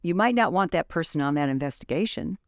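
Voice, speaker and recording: A woman's voice: deep voice, expressive, fast. A woman guest explaining at length in casual chat, with asides and self-corrections. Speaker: guest, former grand juror.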